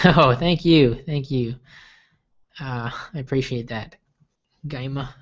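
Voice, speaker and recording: Taking his time, a young man from the U.S. answers viewers' questions during a casual livestream, chatty and meandering with plenty of fillers and false starts. His voice is medium-pitched, and the audio has its highs cut off.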